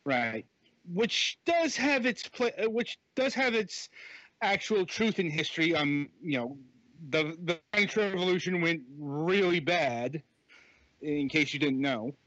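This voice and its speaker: A man's voice: a little high, animated, measured pace, fairly bright tone, no room sound. A man co-hosting a casual game review podcast, talking with many fillers and restarts over a phone microphone. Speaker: podcast co-host reviewing games. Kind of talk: casual chat. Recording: dull lo-fi phone mic.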